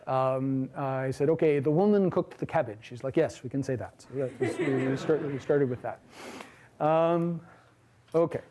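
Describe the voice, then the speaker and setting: A middle-aged man giving a university lecture in a large hall, talking in a relaxed, chatty way with many fillers and asides. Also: medium pitch, moderate pace, slight background noise. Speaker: linguistics lecturer.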